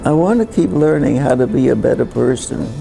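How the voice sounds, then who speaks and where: Background music under a woman's speech at a moderate tempo. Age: 80s+. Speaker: author. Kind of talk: interview answer.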